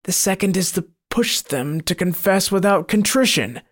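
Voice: mid-range voice, expressive, moderate pace, pitched above the performer's own voice, lightly acted. A reader voicing a sly devil in the shape of a big cat, who gives whining, reluctant answers under threat. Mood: cowering.

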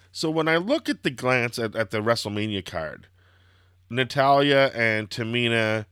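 A young man with a slightly hoarse, throaty voice hosts a casual podcast, rambling and excitable, full of ums and restarts. His voice sits at an ordinary pitch. The recording is dry and close, with no room sound. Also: a little slow, no room sound. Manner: rambling, filler-heavy, excitable. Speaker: podcast host. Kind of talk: casual wrestling podcast chat.

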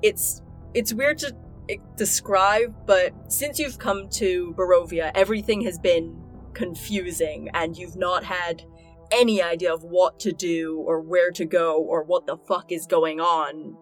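A woman's voice: on the low side, measured pace, soft background music, rough recording. A woman hosting and narrating a tabletop roleplaying game in an informal, playful, sweary way. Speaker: game master and podcast host.

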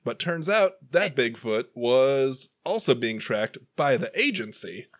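A man's voice: mid-range voice, big pitch swings, unhurried. A man player describing his character in a laid-back way, full of "like" and "uh", laughing along. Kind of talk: casual tabletop game chat.

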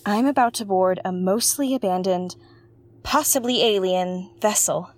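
A woman's voice: medium pitch, a little hiss or hum, close to an everyday voice. Woman acting an earnest, theatrical space investigator. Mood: nervous, focused. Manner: theatrical, articulate, musing with dramatic pauses. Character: Nym, earnest woman investigator hosting her own space mystery show. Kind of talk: audio drama narration, like a spoken field log.

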